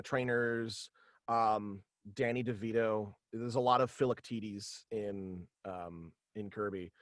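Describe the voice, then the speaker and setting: A man's voice: medium pitch, dry recording. Rambling young man in a dry room. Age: young adult. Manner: rambling, frequent "like". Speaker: guest, voice actor and writer. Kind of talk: casual interview chat. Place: small room at home, on video call.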